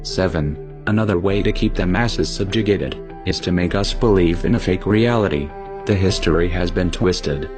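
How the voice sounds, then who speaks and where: A man speaking through a voice disguise that makes him sound deep, reading a scripted anonymous message in a grave, lecturing way. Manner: slow, grave, lecturing delivery. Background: loud music.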